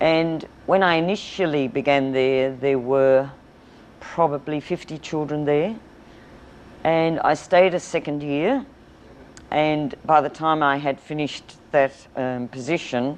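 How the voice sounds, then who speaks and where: Fairly slow speech in an Australian accent, with ordinary pitch variation and long, frequent pauses. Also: woman, very deep, low pitch for a woman. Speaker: charity founder. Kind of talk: interview. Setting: studio.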